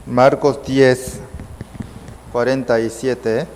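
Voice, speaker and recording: A man's voice: medium pitch, flat delivery, extremely slow, background noise. A man teaching a Bible study lesson, repeating points and checking his listeners with questions. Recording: long hall reverb.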